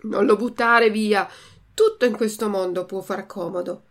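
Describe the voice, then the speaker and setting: A woman voicing a calm, kindly old man who patiently lectures a child in a storybook reading. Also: mid-range voice, normal speed, lightly acted. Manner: calm and admonishing.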